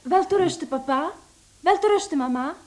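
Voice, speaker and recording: Radio drama: devoted young girl, extremely high voice, earnest delivery. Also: animated, moderate pace, darkish tone. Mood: meek. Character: earnest, caring young daughter of the family.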